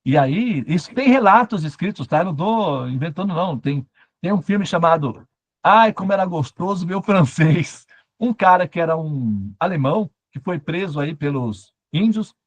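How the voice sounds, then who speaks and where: Lively man telling stories. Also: sits high, dull audio. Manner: animated, humorous, asks himself questions. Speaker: spiritual teacher. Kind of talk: satsang talk with storytelling.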